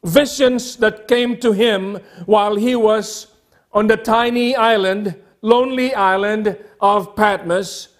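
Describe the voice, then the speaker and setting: A middle-aged man preaching a sermon as a pastor, speaking deliberately in short, emphatic phrases with repetition. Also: high voice, fairly even intonation. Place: church sanctuary, at a pulpit.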